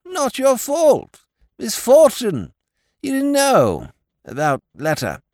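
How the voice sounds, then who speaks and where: A reader voicing a bumbling young aristocrat who talks in clipped, slow, telegraphic phrases. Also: medium pitch, wildly swooping pitch, darkish tone, no echo, studio quality, voice pushed up, exaggerated voice. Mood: blustering. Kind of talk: audiobook character voice.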